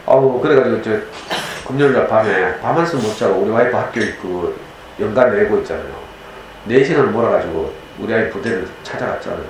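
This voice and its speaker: A man's voice: fairly low pitch, animated, fairly quick. A middle-aged man giving a lecture to parents, telling a personal story and acting out the dialogue as he goes. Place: lecture room. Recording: very echoey lecture hall, faint noise.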